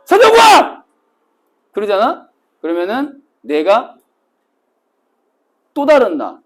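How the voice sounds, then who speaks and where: A man teaching a cram school Korean class, telling stories vividly and acting out scenes with sudden shouts. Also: sits high, big pitch swings, normal speed. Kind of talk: classroom lecture to exam retakers.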